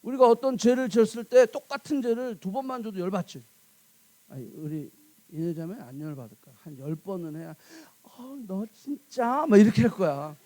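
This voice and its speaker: A woman's voice: mid-range voice, a little fast, dark tone. A woman pastor preaching a sermon in a church, emphatic and full of rhetorical questions to the congregation.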